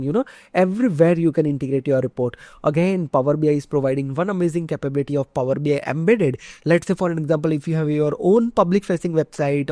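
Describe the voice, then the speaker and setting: A man in his thirties with an Indian English accent talks through a screen-share lesson, filling pauses with "you know" and "uh." His voice sits a little high with a warm, mellow tone. The sound is dry and close, recorded in a small room. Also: dry recording. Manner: conversational, many fillers like "you know" and "uh". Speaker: instructor. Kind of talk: screen-share tutorial lecture.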